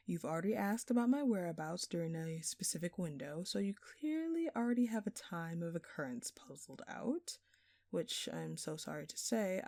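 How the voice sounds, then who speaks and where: A woman's voice: on the low side, darkish tone, dry recording, studio quality. A woman playing a smug, flirtatious jewel thief who taunts a detective with teasing, sarcastic, theatrical phrasing in an audio roleplay. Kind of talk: scripted audio roleplay addressed to the listener.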